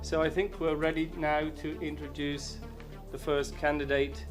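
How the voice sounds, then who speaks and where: Measured man announcing as question master. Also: on the high side, little pitch movement, music in the background. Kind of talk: formal announcing to an audience.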